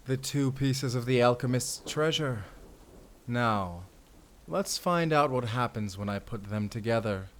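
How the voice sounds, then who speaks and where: A man playing a suave, menacing fantasy villain in an audio drama, speaking with theatrical, deliberate politeness and command. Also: mid-range voice, animated, lightly acted. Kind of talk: audio roleplay acting.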